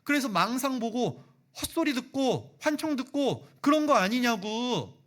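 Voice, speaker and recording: A man's voice: extremely high pitch, animated, a little slow, fairly bright tone, voice pushed up, full character voice. A male pastor voicing a stubborn, scornful male disciple who mocks and refuses to believe. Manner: mocking, dismissive, insistent.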